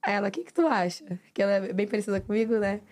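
A young woman from Brazil, a reality show winner chatting as a podcast guest, expressive and quick to laugh. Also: mid-range voice. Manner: expressive, laughs often, storytelling. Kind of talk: casual podcast chat.

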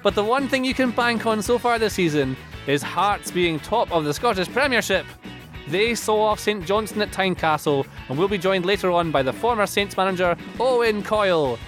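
High-pitched man hosting a football podcast. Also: lively intonation, moderate pace, a bit bright, faint music behind. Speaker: podcast host. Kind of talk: upbeat presenting and football banter. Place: podcast studio.

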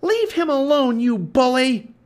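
A man's voice: huge pitch swings, measured pace, heavily acted. A man voicing a bold young girl in a storybook, calling out with feisty urgency. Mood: defiant. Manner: high, urgent calling and shouting.

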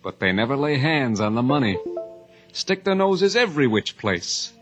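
A man's voice: medium pitch, sing-song, moderate pace, fairly bright tone, soft background music. A man playing a hardened, menacing escaped bank robber in 1950s radio drama style, speaking in clipped tough-guy phrases.

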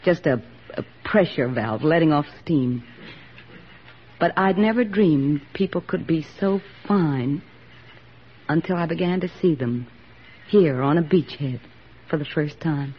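A woman's voice: deep voice, lively intonation, measured pace, long pauses, husky, full character voice. A woman playing an earnest young army nurse in a 1940s radio drama, speaking with heartfelt sincerity. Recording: dull old radio broadcast recording.

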